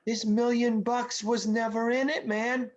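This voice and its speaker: A woman's voice: on the high side, little pitch movement, a little slow, lo-fi sound, close to an everyday voice. A woman playing an exasperated male slacker in a table read, griping in profane slang. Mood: accusing. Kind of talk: virtual table read of a film script. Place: remote video call.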